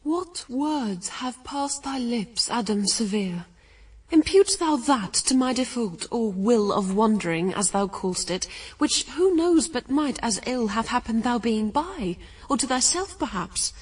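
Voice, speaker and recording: A wounded Eve, set back from mic. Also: female voice, a little high, animated, measured pace, breathy edge, far from the mic, poor audio. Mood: hurt, indignant. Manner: formal, reproachful, archaic rhetorical questioning. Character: Eve, first woman, wounded and defiant wife. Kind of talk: classical verse radio drama acting.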